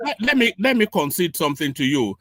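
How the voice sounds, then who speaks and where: A man's voice: a little high, sing-song, quick pace, over a noisy crowd. A man hosting a heated panel debate, pressing his guest with repeated questions and talking over him. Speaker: host.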